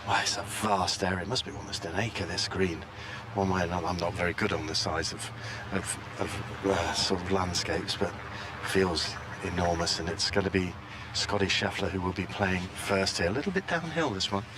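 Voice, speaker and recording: A man's voice: low-pitched, moderate pace, sharp tone. A man giving live golf commentary, describing play as it unfolds in short, descriptive phrases. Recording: faint background noise and hum.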